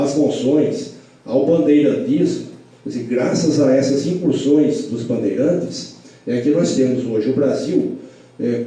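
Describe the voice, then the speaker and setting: Distant man with a dark, mellow voice. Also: mid-range voice. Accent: Brazilian Portuguese, São Paulo interior. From Porto Feliz, São Paulo state, Brazil. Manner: measured, lecturing with many fillers and restarts. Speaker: local historian guest. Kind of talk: explanatory interview answers. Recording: echoey room, distant mic.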